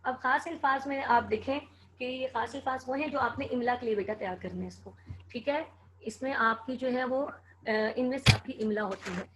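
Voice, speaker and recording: A woman teaching a children's lesson, spelling words out slowly and clearly letter by letter. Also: high voice, a bit bright, slight background noise.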